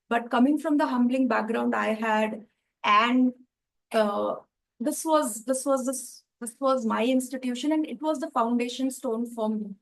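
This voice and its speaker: An Indian woman in her thirties speaks with a slightly high voice and a clear Indian English accent. She tells a personal story in an earnest, reflective way and often restarts her sentences as she goes. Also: low-quality recording. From Calcutta, India. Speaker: educational speaker at a club meeting.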